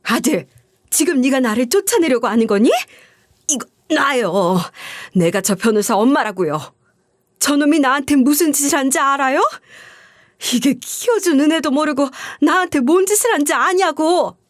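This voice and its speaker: A middle-aged widowed mother, played by a woman, hurt and furious at her son. She pleads and shouts in a high, pushed voice. The sound is dry and close, as in a story radio recording. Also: moderate pace, dry recording, lightly acted. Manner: pleading then shouting in anger.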